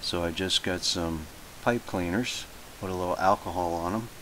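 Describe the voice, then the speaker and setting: A man with a deep, low voice narrates a homemade how-to in an informal way. His delivery is halting, as he poses questions to himself and works through them aloud. A faint hiss runs under the home recording. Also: rough recording. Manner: halting, thinking aloud with self-posed questions. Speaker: hobbyist narrating own repair video. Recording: hissy home recording, steady noise.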